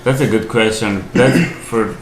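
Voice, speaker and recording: A young man from Albania with an Albanian accent, answering interview questions in halting English as he searches for words. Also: fairly low pitch. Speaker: podcast guest. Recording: echoey room, faint hiss.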